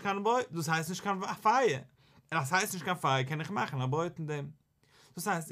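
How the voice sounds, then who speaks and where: A man, a rabbi, teaching a Talmud lesson in an animated, questioning sing-song that rises and falls. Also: on the high side.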